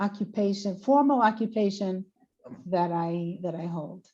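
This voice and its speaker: A woman's dark, mellow tone at medium pitch, fairly slow and fairly even in intonation. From New York, US; moved to Israel as a child. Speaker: rabbinic leader and educator. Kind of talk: interview. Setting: video webinar. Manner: halting, many fillers and repetitions.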